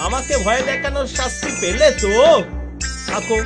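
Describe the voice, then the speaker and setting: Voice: sits high, normal speed, over loud music, close to an everyday voice. An actor playing a bold, cheeky boy magician in a children's cartoon. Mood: taunting. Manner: taunting, chanting spells.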